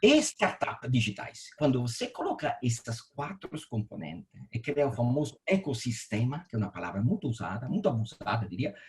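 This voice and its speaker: A man with an Italian accent, a telecom engineering director answering interview questions over a video call, often repeating words and restarting as he explains. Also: mid-range voice. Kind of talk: interview answers on a live stream.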